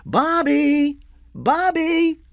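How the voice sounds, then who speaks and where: A narrator voicing an anxious, frantic mother with a shrill, pleading delivery. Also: wildly swooping pitch, slow pace, fairly bright tone, no room sound, studio quality, heavily acted. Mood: calling out. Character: frantic mother, high-pitched and anxious woman.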